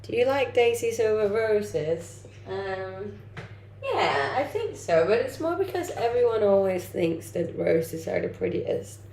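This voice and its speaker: This young livestream host from Denmark, a native Danish speaker, chats conversationally while reading and replying to viewer comments. Her medium-pitched, darkish voice is very animated but unhurried. A roomy echo and faint background noise are audible.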